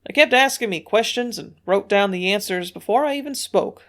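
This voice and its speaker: A rough sailor, read by a woman, talks loudly in gruff, blunt bursts. He sounds plain-spoken and unpolished. An audiobook reading. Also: mid-range voice, moderate pace, natural voice.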